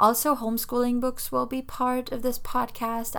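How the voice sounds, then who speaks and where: Moderate pace and a German accent, in a very clean recording with a silent background. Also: woman. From Germany. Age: 30s. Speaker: podcast host, homeschooling mother. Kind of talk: solo podcast monologue.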